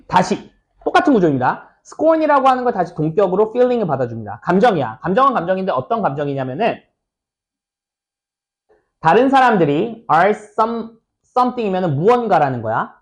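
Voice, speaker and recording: A man's voice: high voice, big pitch swings, measured pace. A man teaching an English exam passage, chatty and casual, often asking his students "right?" and acting out short scenes. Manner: chatty, asks students "right?" often, acts out little skits. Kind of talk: lecture explaining an exam passage.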